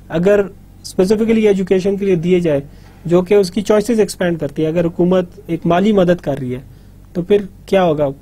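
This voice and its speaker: Middle-aged man, South Asian accent, native Urdu speaker, lecturer, high-pitched for a man, soft mellow tone, explanatory. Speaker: university lecturer. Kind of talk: lecture explaining a diagram while drawing. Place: studio, indoors.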